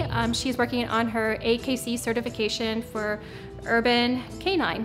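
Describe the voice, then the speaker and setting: A woman talks at a moderate pace with fairly even intonation. Clear music plays in the background. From Kentucky. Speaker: pediatric nurse practitioner. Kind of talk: clinician introduction video. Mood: warm, friendly. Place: studio.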